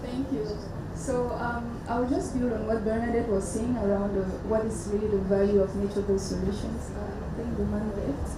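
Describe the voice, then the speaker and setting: Halting woman panelist in a noisy hall. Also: mid-range voice, fairly even intonation. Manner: measured, halting with many fillers. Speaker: panelist from a conservation group. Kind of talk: panel answer. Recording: echoey hall, distant mic, noisy.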